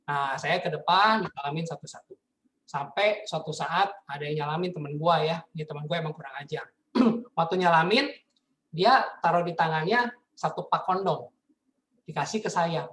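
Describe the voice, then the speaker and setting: A man's voice: high-pitched, a bit bright. A man, telling stories casually as a motivational business speaker on a video call, often turning to address his listeners as friends. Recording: echoey room sound.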